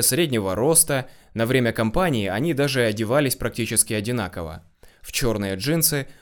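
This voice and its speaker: Male narrator, first-person story reading, wry and slangy, with a very lively, rising-and-falling delivery. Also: medium pitch. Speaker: audiobook narrator.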